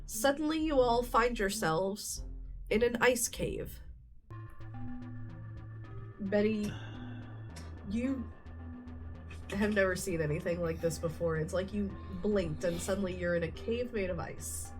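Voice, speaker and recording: A woman's voice: medium pitch, slow, pauses often, soft background music. A woman running a tabletop role-play game, setting scenes in a conversational, improvised way. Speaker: game master.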